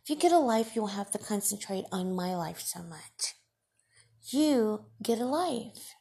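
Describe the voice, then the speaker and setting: A woman podcast host and radio broadcaster with Farsi as her first language, talking in a deliberate, emphatic monologue that scolds her critics. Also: mid-range voice, lively intonation, vocal fry, warm tone, breathy edge.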